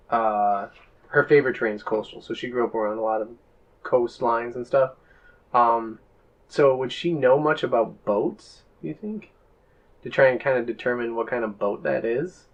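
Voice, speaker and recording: A man playing a tabletop game, asking questions and planning his character's moves out loud. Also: mid-range voice, lively intonation, a little slow, pauses often, lo-fi sound. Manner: questioning, plans aloud in character's terms. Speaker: player.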